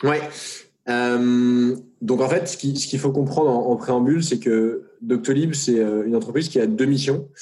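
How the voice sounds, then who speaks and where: Here a man speaks at a medium pitch with ordinary pitch variation. His pace is fairly slow. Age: 20s. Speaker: employee of a health-tech company. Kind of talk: interview. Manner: hesitant, many fillers.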